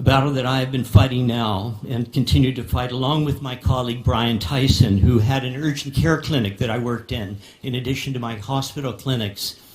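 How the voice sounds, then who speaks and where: A man with a medium-pitched voice talks at a fairly quick pace, hardly pausing, his intonation fairly even. Noticeable background noise and audible room echo surround him. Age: 70s. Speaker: physician. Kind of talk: conference talk. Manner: halting.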